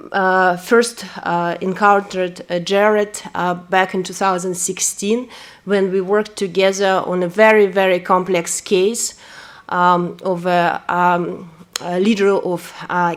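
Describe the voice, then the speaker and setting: A woman from Kazakhstan, a lawyer giving an earnest, hesitant introduction at a press event, full of fillers. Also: fairly low pitch. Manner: earnest, personal testimony.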